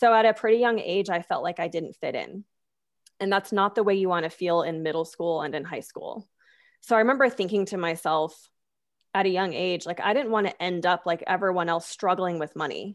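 Against a quiet background, a woman with a plain, everyday voice speaks fairly quickly, her medium pitch showing ordinary variation. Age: 20s. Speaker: author and passive income investor. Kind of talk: podcast interview.

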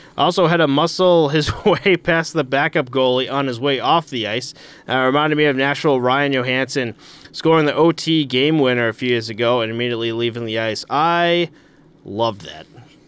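A man speaks in an unremarkable speaking voice at a medium pitch, with ordinary pitch variation and a moderate pace. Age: 30s. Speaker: sports podcast host. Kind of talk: casual chat.

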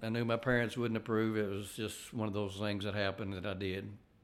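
A man speaks with an Appalachian accent at a medium pitch. His pace is fairly quick. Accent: Southern US (Appalachian). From US South (Tennessee). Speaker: church Sunday school teacher. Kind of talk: testimony.

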